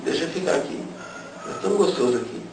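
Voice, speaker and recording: A man's voice: a little high, lively intonation, fast, darkish tone. A man gives an emotional religious testimony, telling his story and acting out the dialogue. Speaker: testimony speaker. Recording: echoey, distant, noisy room.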